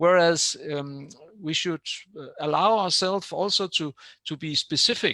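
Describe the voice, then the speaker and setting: A man with a Danish accent speaks at a fairly slow pace, his fairly high voice bright and sharp in tone, with lively intonation. The recording is very clean, with a silent background and a dry, close sound with no echo. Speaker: university lecturer. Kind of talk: academic discussion. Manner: halting.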